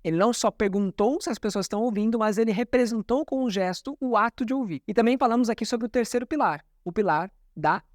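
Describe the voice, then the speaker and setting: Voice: mid-range voice, fast, few pauses, no echo, clean studio sound. A communication coach, explaining a talk in didactic commentary and repeating key terms.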